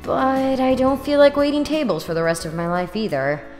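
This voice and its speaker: A woman's voice: high voice, fairly even intonation, moderate pace, a little mellow, long reverb tail, faint music behind, lightly acted. A woman playing a weary, sarcastic young student and waitress, narrating her life in a dry, reluctant way in an audio drama. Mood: wry, weary. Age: young adult. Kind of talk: first-person audio drama narration and dialogue.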